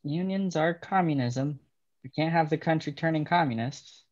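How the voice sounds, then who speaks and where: A man's voice: on the high side, normal speed, a little mellow, close to an everyday voice. A polite newcomer to the mine played by a man, reserved and hesitant in his speech. It is drama read at a table, on a slightly dull, lo-fi recording. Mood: doubtful, firm. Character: hesitant newcomer miner, polite but firmly anti-communist.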